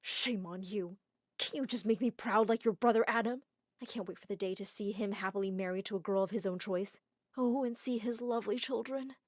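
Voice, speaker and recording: A woman voicing a stern, dramatic middle-aged mother in an animated story, scolding with shrill outbursts. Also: fairly quick, no echo, clean studio sound, lightly acted.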